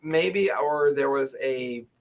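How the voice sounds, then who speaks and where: A man with a gravelly, creaky voice leads a tabletop session. He chats loosely, cracks jokes, and patiently spells out character names. He is picked up by microphones some way off across the table. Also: medium pitch, takes it slowly, a loud crowd. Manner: joking, explains names patiently. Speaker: game master. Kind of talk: casual table chat. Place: shared indoor room at a business. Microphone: table microphones some distance away.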